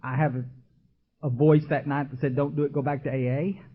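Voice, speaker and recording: A man's voice: a little high, flat delivery, fairly quick. A man, giving an emotional recovery talk from a podium and speaking straight to the crowd in a folksy way. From Texas. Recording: dull lo-fi archival tape.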